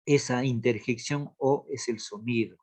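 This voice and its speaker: A man teaching a literature class, explaining slowly and repeating key terms so students can take notes. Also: medium pitch, fairly even intonation, darkish tone. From Latin America. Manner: slow, repeats key terms for note-taking. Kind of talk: classroom lesson.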